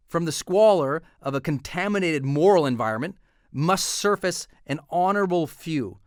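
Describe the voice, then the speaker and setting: A man's voice: fairly high pitch, a bit bright, no room sound, clean studio sound. A man reading a scripted motivational manifesto in an earnest, declamatory way. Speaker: narrator.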